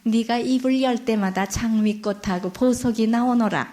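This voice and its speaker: A woman voicing a kind old grandmother at a village well in a folk tale, speaking slowly and gently. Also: fairly high pitch, close to an everyday voice. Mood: gentle.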